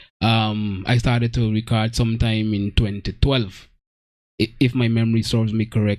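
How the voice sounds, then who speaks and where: At a moderate pace, a man talks in a medium pitch. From Guyana. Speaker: reggae artist. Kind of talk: interview. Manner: halting.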